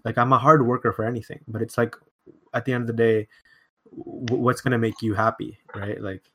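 A man's voice: medium pitch, little pitch movement, a little fast, a bit bright, husky. A young man hosting a casual chat, rambling with many fillers.

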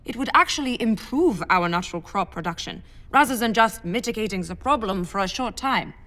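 A woman playing a thoughtful, practical fleet specialist explaining in a science fiction audio drama, measured in manner. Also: medium pitch, animated, a bit bright, close to an everyday voice. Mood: persuasive.

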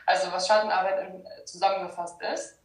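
A woman's voice: lowish voice, level tone, brisk. A young adult woman from Germany, a guest explaining her practice in a casual interview, hesitant, with many fillers. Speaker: guest, shadow work practitioner. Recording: roomy, distant sound.

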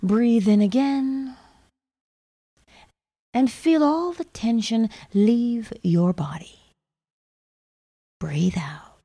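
Soft mellow lady doing guided meditation, gravelly fry, trails off breathy, big reverb on her voice. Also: on the high side, lively intonation. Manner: slow, soothing, breathy phrase endings trailing toward a whisper. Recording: long reverb on the voice.

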